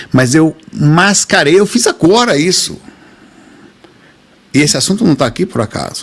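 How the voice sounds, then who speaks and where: Lively intonation and an animated tone mark this man's fairly high-pitched voice. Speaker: spiritual teacher. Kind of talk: live stream talk. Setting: live stream. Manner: fast.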